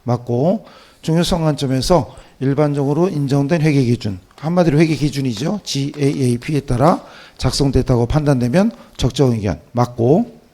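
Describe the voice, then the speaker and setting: A man with a voice hoarse from a cold, teaching an accounting class through practice questions with short check-in questions. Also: mid-range voice, normal speed, warm tone. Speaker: accounting exam lecturer.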